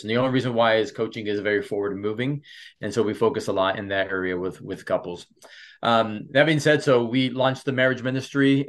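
Earnest pastor telling his story, low voice. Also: fairly bright tone. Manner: earnest, personal storytelling with frequent restarts. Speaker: pastor and marriage coach. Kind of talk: casual interview.

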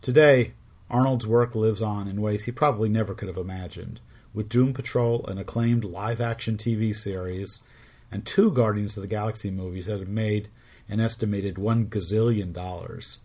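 A middle-aged man hosting a podcast, telling stories in measured scripted narration with wry asides. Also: on the low side, steady tone, a little mellow, breathy edge. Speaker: podcast host.

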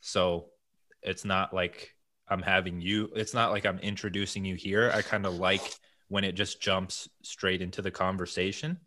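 A man with a very low, bright and forceful voice hosts a podcast from home over a video call. He talks in a loose, rambling way and swears often. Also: level tone, normal speed. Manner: casual, swears freely, rambling. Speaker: podcast host. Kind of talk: casual chat. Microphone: headset-style headphone mic over video call.

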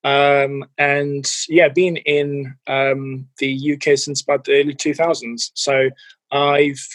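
A man's voice: mid-range voice, flat delivery, takes it slowly, a bit bright, dry recording. A man in his forties with a mild, anglicized South African accent, a fitness and mental health coach answering interview questions with lots of ums and restarts. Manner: hesitant, many fillers and restarts.

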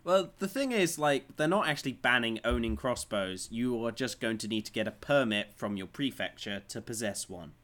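Dry, joking man with a middle-pitched voice. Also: expressive, normal speed, few pauses, fairly bright tone. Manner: dry joking with frequent ums and uhs. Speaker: podcast co-host. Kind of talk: casual news chat.

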